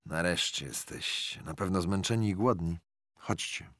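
A man reading an audiobook, voicing a calm, caring older grandfather who is a retired colonel, speaking gently and reassuringly. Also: deep voice, normal speed, dry recording, studio quality. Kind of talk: audiobook character voice.

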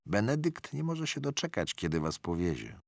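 A man reading an audiobook, voicing a calm, caring older grandfather who is a retired colonel, speaking gently and reassuringly. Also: lowish voice, normal speed, gravelly, no echo, studio quality, pitched above the performer's own voice, exaggerated voice. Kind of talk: audiobook character voice.

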